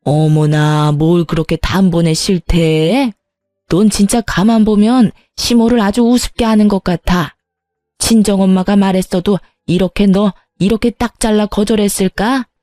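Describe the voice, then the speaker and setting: A woman's voice: medium pitch, fairly even intonation, normal speed, mellow, dry recording, studio quality, soft background music, natural voice. A woman voicing a pushy, scornful older mother-in-law in a storybook-style tale. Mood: demanding. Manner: demanding, scornful.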